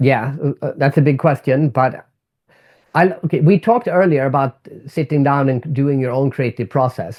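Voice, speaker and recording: A man's normal speaking voice, fairly high in pitch with ordinary pitch variation, at a moderate pace, in a dry, close sound with no echo. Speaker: keynote speaker and author. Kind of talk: podcast interview.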